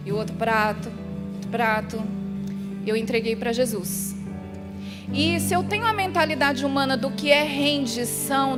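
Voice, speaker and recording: High-voiced Brazilian woman preaching in a reverberant hall. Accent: Brazilian Portuguese. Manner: storytelling, animated, acts out scenes and dialogue. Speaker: pastor. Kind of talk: sermon with personal testimony. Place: large church hall. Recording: music under a long hall reverb.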